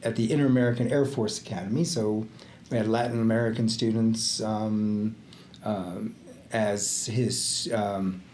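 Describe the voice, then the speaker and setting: An older man, a retired judge who grew up in the Panama Canal Zone with Greek as his first language, talking in a reflective, halting way with many fillers and quick laughs. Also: on the low side, steady tone, a little mellow. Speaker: retired judge, podcast guest. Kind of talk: casual interview chat. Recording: echoey room, faint background noise.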